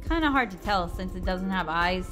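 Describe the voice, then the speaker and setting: Actress as blunt female sidekick, slangy quips, animated intonation, audio drama, music behind. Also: fairly low pitch, normal speed. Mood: uneasy. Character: blunt, sarcastic modern young woman, time traveller's companion.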